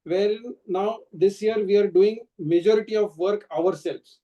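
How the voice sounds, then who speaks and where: A man with an Indian accent answering questions as a company executive on a conference call, explaining in halting, restarted phrases. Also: sits high, dark tone, highs cut off. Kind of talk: earnings call answers, spontaneous speech.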